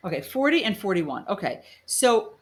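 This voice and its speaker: A woman's voice: mid-range voice, sing-song, moderate pace. A woman in her mid-fifties hosting a podcast, asking questions and making emphatic points in a casual interview. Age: 50s. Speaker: podcast host.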